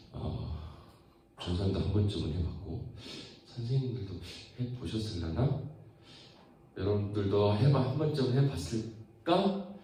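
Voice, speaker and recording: A man's voice: lowish voice, distant mic, a little hiss or hum. A man preaching to teenagers in a chatty way, often asking the audience questions and acting out family conversations. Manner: acts out family dialogue in lively put-on voices. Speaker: youth preacher. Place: large church hall. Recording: very echoey hall, voice heard from afar.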